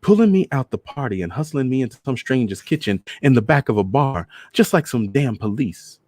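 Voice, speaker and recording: A man reading a first-person short story aloud in an expressive, colloquial vernacular style. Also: medium pitch, a little fast, dry recording, studio quality. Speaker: host, story reader.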